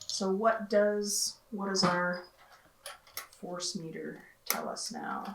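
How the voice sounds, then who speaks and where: Over background music, a woman does a raspy put-on character voice at medium pitch, speaking very slowly in a flat monotone with long, frequent pauses and big swings in loudness. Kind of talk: thinking aloud. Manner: muttering.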